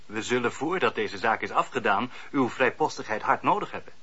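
An actor playing a courteous, calculating magistrate of olden times in a radio drama, speaking in formal, courtly phrases. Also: male voice, medium pitch, expressive, brisk, sharp tone, breathy edge. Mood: dry, probing. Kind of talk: period radio drama acting. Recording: dull, muffled old radio recording.

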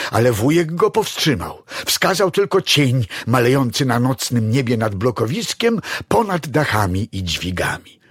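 A man reading a story aloud in a dramatic, expressive style. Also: mid-range voice, husky, no echo, studio quality. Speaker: narrator. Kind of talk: audiobook story narration.

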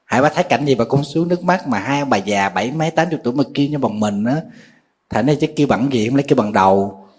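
Husky Southern Vietnamese monk preaching. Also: male voice, mid-range voice, expressive, fast, darkish tone. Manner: folksy and conversational, questions the audience often. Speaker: Buddhist monk giving a dharma talk. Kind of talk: sermon.

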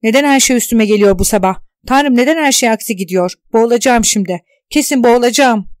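A woman's voice: fairly high pitch, fairly quick, no echo, studio quality, natural voice. Woman voicing an exasperated, distraught character. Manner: loud, exasperated outbursts. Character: shaken, indignant person alone at home.

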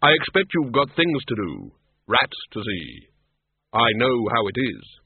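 A man voicing Death posing as a farmhand, speaking slowly, formally and solemnly. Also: medium pitch, wildly swooping pitch, slightly rough, no echo, exaggerated voice. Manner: slow, measured, formal, solemn. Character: Death disguised as a calm male farmhand, ancient. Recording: tinny phone-like narrow sound.

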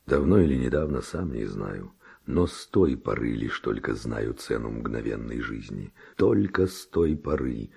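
An actor playing an ardent, reckless nobleman seducer in a classic radio play, declaiming verse theatrically with a gravelly, husky voice. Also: a bass voice, expressive, a little slow, few pauses, a little mellow, full character voice. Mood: passionate pleading.

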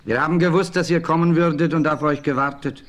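An actor playing a proud, honourable Native American chief in a German radio play, formal and declamatory. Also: male voice, fairly high pitch, fairly even intonation, fast, close to an everyday voice. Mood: solemn, welcoming.

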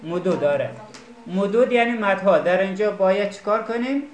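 A man teaching Quran recitation, patiently questioning and correcting his students. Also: high voice. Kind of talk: classroom teaching. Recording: echoey room with crowd noise.

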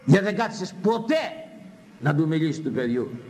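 Older priest preaching with emphatic repetition. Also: male voice, fairly high pitch, very animated, a little mellow. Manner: emphatic, repeats phrases for effect. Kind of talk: sermon on scripture.

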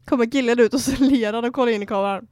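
A young woman co-hosts a casual podcast, giggling and swearing as she tells stories in an animated way. Her voice is fairly high, and the studio sound is clean with no echo.

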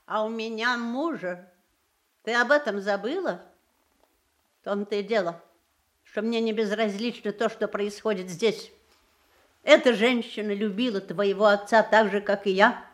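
A woman's voice: medium pitch, a little slow, long pauses, lightly acted. An actress playing a proud middle-aged wife and mother with a sardonic, controlled, pointed manner in a theatrical audio drama. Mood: firm, reproachful.

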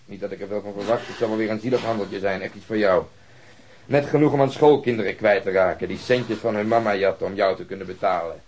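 A male actor as a brutal detective from a radio drama. His voice sits fairly low, and he talks in a sneering, threatening way, with heavy sarcasm. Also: fast, a little mellow, natural voice. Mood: contemptuous.

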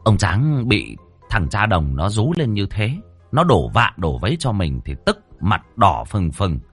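A man narrating a comic folk-style tale in a lively way. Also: fairly low pitch, measured pace, slightly rough, no room sound, soft background music. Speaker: storyteller.

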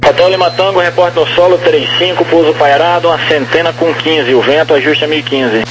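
Guy air traffic controller, kinda high voice, reading out instructions on a noisy humming radio. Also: steady tone, a little fast. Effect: aviation radio. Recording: noisy radio with mains hum.

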